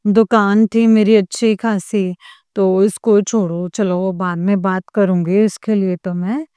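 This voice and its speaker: An older woman giving a devotional personal testimony. She speaks haltingly, pausing often and respectfully addressing the congregation, and sounds weak after a fever. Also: medium pitch, steady tone, warm tone, clear, resonant tone, dry recording.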